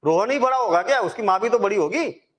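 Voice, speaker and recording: A man with a high voice explains a maths exercise step by step. He talks to his students in a chatty, reassuring way, and he keeps asking questions and then answering them himself. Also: expressive, quick pace. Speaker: maths teacher. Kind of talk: Hindi maths lesson.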